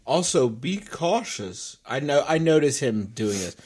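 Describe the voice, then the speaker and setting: Male player, lively swinging pitch, goofy in-character banter. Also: measured pace, husky. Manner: playful, goofy in-character declarations. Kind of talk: tabletop game banter.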